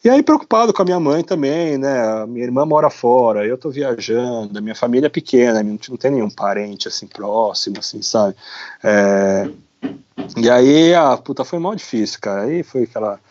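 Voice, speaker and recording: A man with a Brazilian Portuguese accent, a guest on a podcast, casually telling a story from his bicycle travels, animated and full of slang fillers. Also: medium pitch, moderate pace, dull audio.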